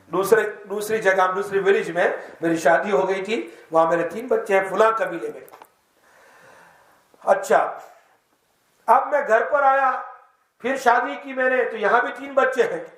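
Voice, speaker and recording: High-voiced man teaching in an echoey mosque. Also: pauses often. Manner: lively storytelling, quizzes the audience; tells the tale in the first person. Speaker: Islamic teacher. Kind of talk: mosque lesson storytelling. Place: mosque hall.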